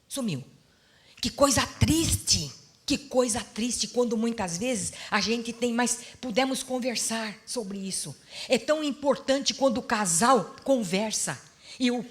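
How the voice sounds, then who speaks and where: A middle-aged woman pastor preaches to a church seminar in a high voice. Her delivery swings between soft, confiding storytelling and loud, emphatic exhortation. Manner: lively storytelling, acts out quoted dialogue.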